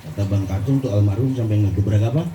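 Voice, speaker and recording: At a hall gathering, a man preaches a Sufi religious sermon quickly and with a lilt, his pitch rising and falling as he puts questions to the audience. The recording is muffled, noisy, and echoey, and his voice sounds distant.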